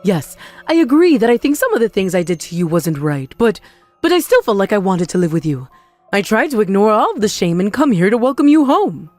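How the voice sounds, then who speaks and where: A woman's voice: mid-range voice, big pitch swings, a little fast, a little mellow, lightly acted. A woman voicing a greedy, manipulative middle-aged mother in a comic dub, with a theatrical, wheedling way of talking. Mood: pleading. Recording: voice over background music.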